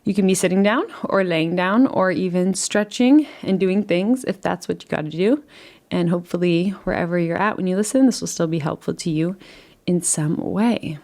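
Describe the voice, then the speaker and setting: A woman with a lowish voice leads a guided relaxation as a meditation guide, soft, unhurried and soothing, gently inviting rather than instructing, with long pauses between phrases.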